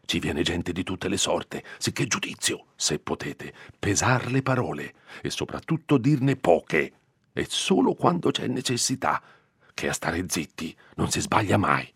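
A man voicing a fearful, irritable old male country priest who scolds in hushed urgency. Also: deep voice, sing-song, unhurried, husky, dry recording, studio quality, full character voice. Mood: stern lecturing.

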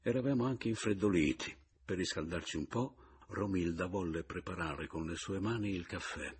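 A man reading a literary novel aloud as an audiobook narrator, in a measured, reflective first-person voice. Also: deep voice, slightly rough.

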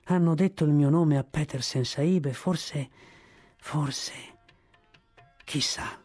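A man's voice: fairly high pitch, normal speed, dark tone, faint music behind, natural voice. A man doing a shy, eager little boy. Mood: hopeful. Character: small shy elephant-keeper boy, eager.

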